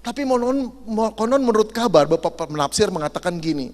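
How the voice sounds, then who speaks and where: A middle-aged man, a pastor, preaching a lively sermon full of jokes and acted-out stories. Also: high voice, fairly quick. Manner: animated, jokey, acts out dialogue and sound effects. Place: large hall at a youth camp. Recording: long hall reverb.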